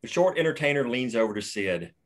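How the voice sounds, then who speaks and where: A man's voice: mid-range voice, sing-song, a little fast. A man plainly reading the action lines and stage directions at a screenplay table read.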